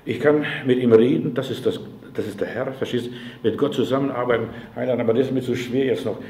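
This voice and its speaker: A man's voice: medium pitch, fairly even intonation, fast talker, dark tone. A man preaching a sermon as pastor, speaking directly to the listener in a conversational way and often asking if they understand. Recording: echoey room.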